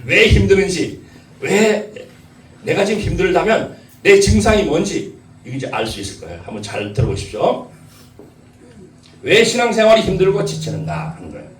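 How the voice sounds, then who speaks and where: A man delivers an emphatic sermon, repeating key phrases and asking his listeners questions. His voice sits a little high and swings widely in pitch. The recording is roomy and echoey, with the mic some distance away. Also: sing-song, moderate pace, long pauses. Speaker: pastor.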